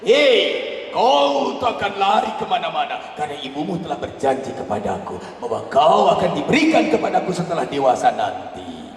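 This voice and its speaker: A man's voice: a little high, sing-song, normal speed, voice pushed down. A man voicing a threatening giant ogre from a folktale, declaiming at a child in live storytelling. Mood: menacing. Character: menacing male giant ogre hunting a child. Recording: echoey hall from far off, faint noise.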